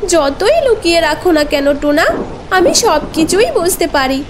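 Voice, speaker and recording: Woman as cartoon mother bird, very high voice, animated, caring, anxious, earnest, pleading. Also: measured pace, noisy background, full character voice. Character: caring, anxious mother tailorbird with tender devotion.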